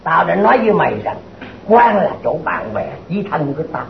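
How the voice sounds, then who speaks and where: A boastful blind fortune-teller, a high voice that swoops all over as he brags and bickers. The old recording sounds dull and roomy. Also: sing-song, a little fast, gravelly, a little hiss or hum, exaggerated voice. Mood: defiant. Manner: bragging, quarrelsome, wildly swooping delivery. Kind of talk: stage comedy skit.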